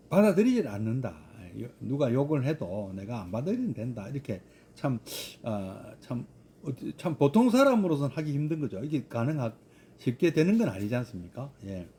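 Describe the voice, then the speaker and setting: A man's voice: medium pitch, big pitch swings, normal speed, warm tone, a little hiss or hum. A man, a Buddhist monk, giving a scripture study lecture with many hesitant fillers and rhetorical questions.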